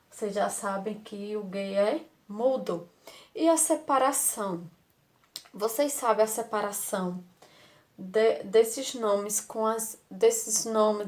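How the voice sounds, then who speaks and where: A Brazilian woman teaching a lesson to young children, affectionate and patient, repeating words and asking rhetorical questions. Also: medium pitch. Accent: Brazilian Portuguese.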